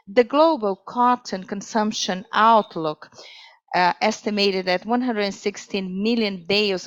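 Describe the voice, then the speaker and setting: A woman speaking as a conference interpreter, delivering a formal corporate presentation in a measured way. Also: mid-range voice, no room sound, low-quality recording.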